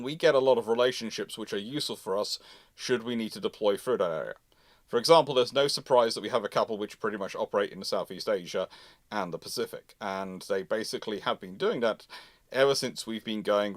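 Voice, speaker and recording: A British man hosting a live question-and-answer talk, explaining things with halting restarts and emphatic repetition. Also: lowish voice, no echo, studio quality. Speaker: host answering audience questions. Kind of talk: live Q&A, explanatory commentary on naval matters.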